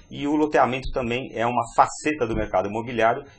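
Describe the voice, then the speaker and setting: A man speaks in a somewhat breathy voice. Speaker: TV show host. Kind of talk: show introduction. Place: studio.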